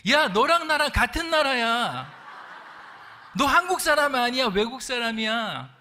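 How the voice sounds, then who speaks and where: A man's voice: very high-pitched, big pitch swings, sharp tone, voice pushed up, heavily acted. A man voicing a stubborn young male foreign worker, new on the job, who bluntly refuses a drink. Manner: blunt, refusing, slow deliberate.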